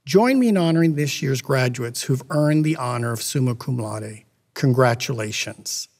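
A middle-aged man presenting graduates at a university ceremony in a measured, formal way, speaking at a podium on stage. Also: mid-range voice, vocal fry, a little mellow. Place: stage with podium and red curtains. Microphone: podium mic. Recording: long hall reverb.

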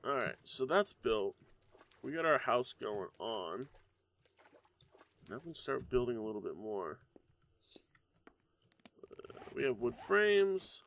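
A man's voice: mid-range voice, vocal fry, a bit bright, a little hiss or hum. Congested young man rambling over gameplay. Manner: rambling, many ums and uhs. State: congested from a cold. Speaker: gaming YouTuber. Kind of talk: casual let's-play commentary.

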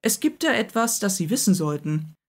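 A woman's voice: medium pitch, big pitch swings. A woman voicing an eager, scheming male under-butler who speaks in a hurry. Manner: eager, hurried.

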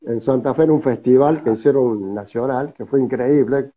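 Joining an interview by video call from an indoor room, this man in his seventies, a theatre director, chats and tells stories in a Cordoba Argentine Spanish accent. He speaks at normal speed with a medium pitch, and the audio comes through slightly muffled.

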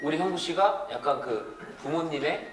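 A man's voice: a little high, normal speed, reverberant, recorded from a distance, crowd noise, poor audio. A male comedian hosting with casual banter in a playful, exclamatory manner. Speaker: comedian and show host. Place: bright indoor living-room set. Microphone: lavalier.

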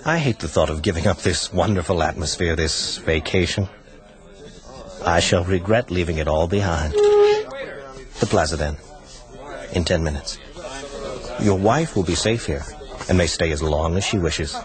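A man's voice: deep voice, very animated, a little slow, pauses often, a crowd in the background. An actor playing a suave, menacing male agent from the future who hunts a runaway couple, in a radio drama. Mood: smug. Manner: suave, mocking, patient menace. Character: menacing male time agent, smug cold hunter.

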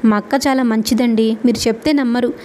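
Lady reading as a nervous young guy spilling a family secret, kinda high pitched. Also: fairly even intonation, brisk, warm tone, a little hiss or hum, natural voice. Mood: earnest. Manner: plain read-aloud dialogue. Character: earnest young man confiding, anxious.

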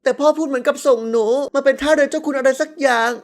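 A woman narrator acts out a brash young woman from a storybook. Her voice sits high, and she talks boastfully and cheekily, with a whiny edge of injured pride. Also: steady tone, racing. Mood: brash, protesting.

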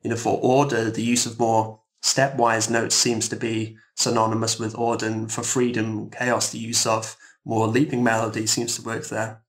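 A man explaining ideas as an interview guest, in a thoughtful, measured and hesitant way. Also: lowish voice, level tone. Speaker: composer, roundtable guest.

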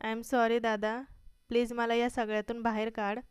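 A woman's voice: a little high, flat delivery, moderate pace, smooth, no room sound, studio quality, close to an everyday voice. A woman voicing a frightened young man who pleads through tears in a storybook reading. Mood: pleading, tearful. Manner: pleading, crying.

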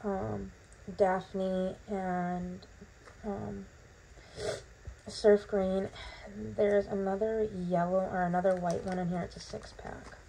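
A woman's voice: medium pitch, flat delivery, slow pace, vocal fry, long pauses, warm tone, a little hiss or hum, low-quality recording. A woman casually narrating a home unboxing in a bathroom, rambling with lots of ums, her voice still recovering from being lost. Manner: chatty, rambling with many ums. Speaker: vlogger.

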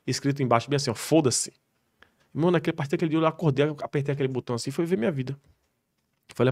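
A man, a podcast guest who works as a police soldier, telling an emotional personal story in an emphatic way, swearing freely and acting out the people he quotes. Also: medium pitch.

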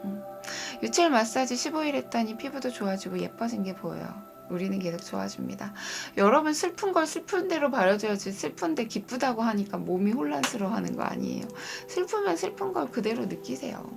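A young woman coaching viewers on a live stream in a soft, coaxing way that drifts into whispers. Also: on the high side, big pitch swings, a little fast, gravelly, hardly any pauses. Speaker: breathing and wellness coach. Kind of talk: live-stream chat reading viewer comments. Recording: music playing behind.

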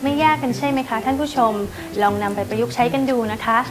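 A woman's voice: high voice, quick pace, music in the background. Woman hosting an English lesson segment. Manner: polite, scripted, questioning the teacher. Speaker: segment host.

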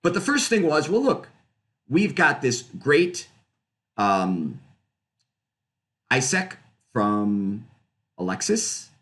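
Lively-pitched man presenting over a video call. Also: slow pace, long pauses. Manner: conversational, explanatory, with fillers and self-corrections. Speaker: physics researcher presenting. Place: indoor room at home. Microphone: webcam on a video call.

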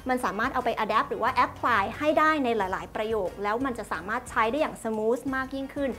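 A young woman with a high, bright-sounding voice hosts a language lesson, explaining phrases word by word in a chatty, polite way. Soft music plays faintly underneath. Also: fairly quick. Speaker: host teaching Chinese through drama clips.

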